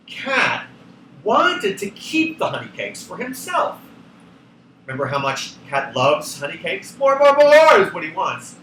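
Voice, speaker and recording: Man, children's read-along storyteller. Bright, very animated, emphatic delivery, recorded roomy and slightly distant. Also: a little high. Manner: expressive, emphatic, addresses young viewers. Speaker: children's show co-creator reading a picture book aloud. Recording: roomy, distant home recording, faint noise.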